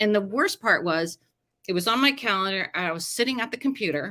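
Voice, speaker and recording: Recorded very cleanly over a silent background, a woman with an American accent speaks at a fairly quick pace and a medium pitch, her tone animated, bright and sharp, with ordinary pitch variation. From US Northeast. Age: 60s. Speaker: actress. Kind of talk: casual chat. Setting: live stream.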